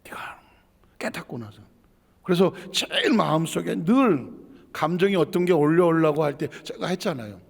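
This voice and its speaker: A male pastor preaching a sermon with animation, acting out quarrels in mock voices and dropping to low asides. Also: expressive, normal speed, creaky, slightly rough. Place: church sanctuary. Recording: long hall reverb.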